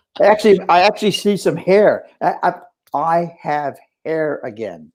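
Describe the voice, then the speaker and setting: A man speaks at a fairly slow pace with an American accent. The recording is very clean, with a silent background. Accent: American, unchanged. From United States. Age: 60s. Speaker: contractor and family man. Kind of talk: casual interview chat. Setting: live video stream.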